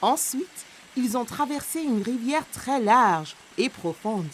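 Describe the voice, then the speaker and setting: A woman's voice: a little high, expressive, slow. A woman narrator reading a scripted French children's cartoon story, with music behind her.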